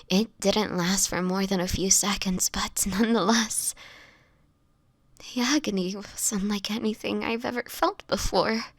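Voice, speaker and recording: A woman playing a sickly, gentle homeless woman turning vampire in an intimate audio roleplay, with a whispery, hesitant delivery. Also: mid-range voice, no room sound, lightly acted. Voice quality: breathy, whispery. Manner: halting, hesitant, fragile delivery.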